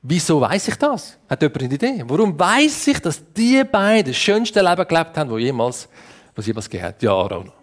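A man with a Swiss German accent telling a Bible story to children in a playful, lively way and asking them questions. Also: a little high, brisk. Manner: playful, asks the audience questions.

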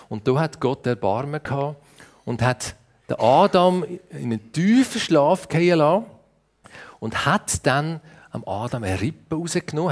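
A man with a Swiss German accent telling a Bible story to children in a playful, lively way and asking them questions. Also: on the high side. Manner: playful, asks the audience questions.

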